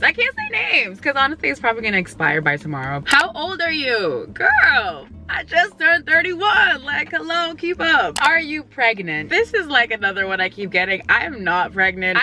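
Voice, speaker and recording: A woman in her twenties chatting casually to camera, answering viewer questions with jokes, lots of "like" and sudden loud outbursts. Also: on the high side, sing-song, normal speed, few pauses. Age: 20s. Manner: playful, laughs often, jokey and oversharing; bursts into loud exclamations.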